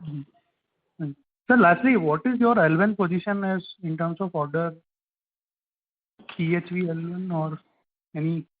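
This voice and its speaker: A man's voice: on the high side, measured pace, long pauses. A man with an Indian accent asking financial questions as an analyst on a call. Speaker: analyst caller. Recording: narrow telephone line.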